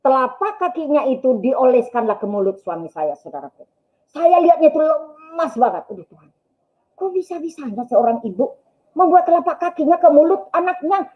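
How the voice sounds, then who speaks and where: A woman's voice: high-pitched, sing-song, brisk, highs cut off. A woman telling her personal testimony to a congregation, acting out the dialogue and often calling listeners brothers and sisters. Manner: storytelling, acts out dialogue, keeps addressing listeners as brothers and sisters. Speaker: testimony speaker at a church broadcast.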